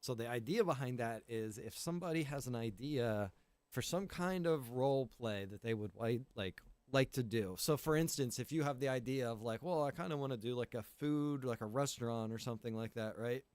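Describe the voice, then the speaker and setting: A man talks casually on a livestream in an average-pitched voice. His explanations ramble along informally, like someone organizing a game community. The sound is close and dry, with very little room. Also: a little fast, a little mellow, smooth, no room sound.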